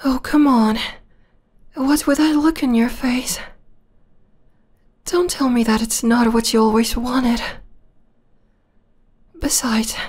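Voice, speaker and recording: A woman playing an obsessive, possessive young vampire girl in an ASMR roleplay, soft and breathy with a sweetly menacing, intimate manner. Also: a little high. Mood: possessive, scheming. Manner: soft, breathy, intimate, often dropping into whispers.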